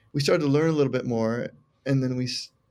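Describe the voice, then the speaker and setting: A man's plain, everyday voice with an American accent, medium pitch and fairly even intonation, on a very clean recording with a silent background. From Northern California, San Francisco Bay Area. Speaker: filmmaker. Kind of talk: interview storytelling.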